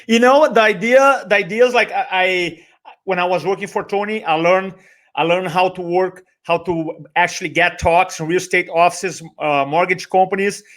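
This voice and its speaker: A man's voice: high voice, moderate pace, fairly bright tone. A middle-aged man from Brazil with a Brazilian accent, talking conversationally and motivationally as a guest, with emphatic repetition and rhetorical questions. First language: Portuguese. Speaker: guest, speaker trainer and business owner.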